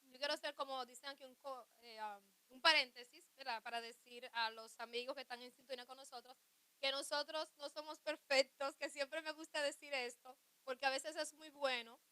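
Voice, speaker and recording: A woman's voice: sits high, steady tone, fairly quick, bright, forceful tone, no echo. A woman co-hosting a Christian radio talk show, chatting reflectively about scripture and laughing often.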